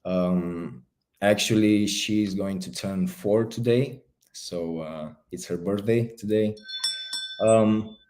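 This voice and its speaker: A man's voice: lowish voice, slow pace, a little mellow. A man in his thirties with a Romanian accent, a guest actor on a video call, polite and a little nervous, hesitating with fillers. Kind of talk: interview over video call.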